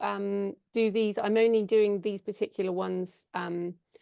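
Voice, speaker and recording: In a British accent, a woman speaks fairly slowly at a medium pitch with fairly even intonation and a dark, mellow tone, the sound dry and close with no echo. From England. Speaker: author. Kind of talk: podcast interview.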